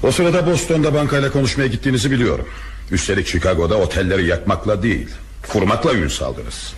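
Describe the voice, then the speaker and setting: A man acting a calm, dutiful police commissioner in a crime radio drama, with a measured noir detective manner. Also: lowish voice. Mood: calm, businesslike. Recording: faintly noisy radio drama recording.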